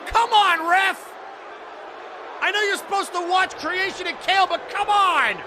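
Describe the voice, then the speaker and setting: A man calls live wrestling in a very high, strained shout, excitedly exclaiming at the action and the referee. A loud crowd and noise surround his voice. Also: a little fast. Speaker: wrestling play-by-play commentator. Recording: noisy event audio with loud crowd. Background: crowd noise and slamming thuds.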